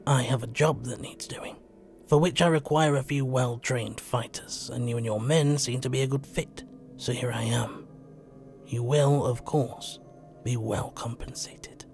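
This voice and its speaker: A man voicing a calm, wry male stranger who speaks softly and half-whispers with menace. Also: mid-range voice, measured pace, gravelly, faint music behind.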